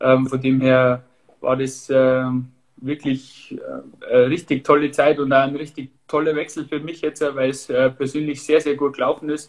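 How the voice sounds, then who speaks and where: A man with a Bavarian accent, fairly high in pitch, moderate in pace, flat and monotone in intonation, against a quiet background. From Bavaria, Upper Palatinate near Regensburg. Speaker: football player. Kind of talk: interview. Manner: halting, many filler sounds. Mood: calm, content. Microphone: phone near.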